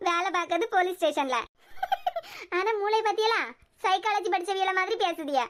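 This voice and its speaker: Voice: very high voice, moderate pace, a bit bright. A performer voicing a playful, teasing young wife in a cartoon, chatty and wheedling. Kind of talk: cartoon voice acting.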